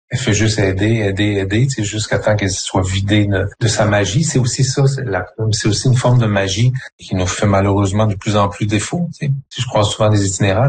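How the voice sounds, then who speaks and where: Quebec guy in an interview, lowish voice, kind of rambly and reflective, faint room noise behind. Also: a little mellow. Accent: Quebec French. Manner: reflective, rambling, repeats "tu sais". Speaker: artist interviewed. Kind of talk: interview clip.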